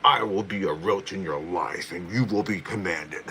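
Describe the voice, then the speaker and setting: A man putting on a domineering male roach persona who issues slow, commanding threats. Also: sits low, pushed and bright, slight background noise.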